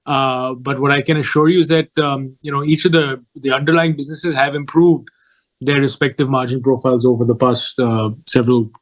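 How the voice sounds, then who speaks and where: A man's voice: mid-range voice, little pitch movement, fairly quick. A man speaking as a company executive on an earnings call, explaining in a methodical way.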